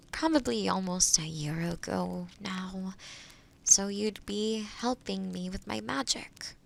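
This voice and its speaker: A woman playing a kind, solitary forest witch in a fantasy audio roleplay, speaking softly and sometimes breathily to the listener in formal, thoughtful, hesitant phrases. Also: medium pitch, gravelly, heavily acted. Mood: thoughtful, curious. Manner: formal, old-fashioned wording, thoughtful and hesitant.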